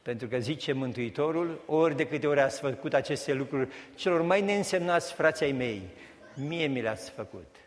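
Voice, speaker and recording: A man preaching a sermon, building emphatic repeated phrases and raising his voice at the peaks. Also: fairly high pitch. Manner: emphatic preaching that rises to raised repetitions. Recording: long hall reverb.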